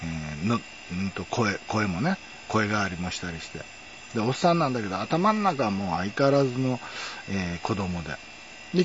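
A man's voice: fairly low pitch, a bit bright, highs cut off, a little hiss or hum. A man, hosting a casual, rambling monologue full of fillers. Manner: rambling, nostalgic storytelling with many fillers. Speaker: podcast host.

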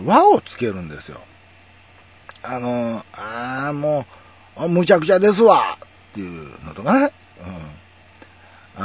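A man's voice: a little high, slightly rough. A man talking in a casual, musing monologue, full of fillers and asides. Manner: chatty, musing, lots of fillers. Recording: dull lo-fi audio.

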